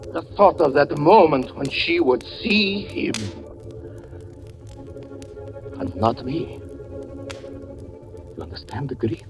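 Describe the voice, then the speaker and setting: A haunted, grief-torn husband. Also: male voice, mid-range voice. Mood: grieving. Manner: brooding, swinging from hush to anguished cries. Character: grief-stricken man confessing his wife's death. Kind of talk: 1940s radio drama acting. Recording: old radio broadcast with faint music.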